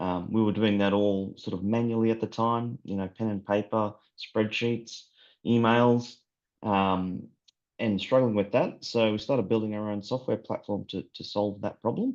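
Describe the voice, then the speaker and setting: A man with an Australian accent talks at a moderate pace and fairly low pitch, with fairly even intonation, against a quiet background. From Northern Australia. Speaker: drone software company founder. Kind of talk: interview.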